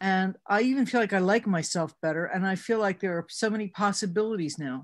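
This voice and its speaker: Over a quiet background, a woman speaks at a fairly quick pace and medium pitch with ordinary pitch variation, in an unremarkable speaking voice. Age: 60s. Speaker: support group member. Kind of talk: sharing at a meeting.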